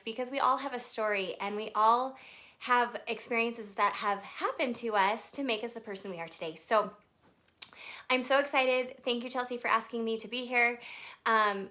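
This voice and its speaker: A woman's voice: fairly high pitch, bright, forceful tone. A woman in her thirties from Texas, chatting nervously on a casual live video and greeting viewers by name. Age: 30s. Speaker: livestream presenter.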